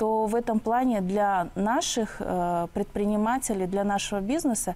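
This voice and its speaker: Fairly high in pitch with ordinary variation, a woman speaks in a dark, mellow tone. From Kazakhstan. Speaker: government official; guest. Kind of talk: TV interview. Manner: formal. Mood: calm, confident, explanatory. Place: studio. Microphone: lapel.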